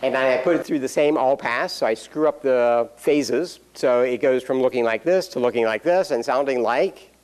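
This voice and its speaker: A man's voice: mid-range voice, normal speed, few pauses, darkish tone. Man lecturing with dry humor. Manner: explanatory, dry jokes, frequent fillers. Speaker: university lecturer. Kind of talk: classroom lecture.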